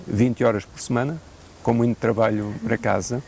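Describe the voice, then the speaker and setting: Portuguese priest with a gravelly voice. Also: male voice, mid-range voice, steady tone, darkish tone, slight background noise. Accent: European Portuguese. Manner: measured, thoughtful, with hesitant fillers and a dry joke now and then. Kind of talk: unscripted interview answers.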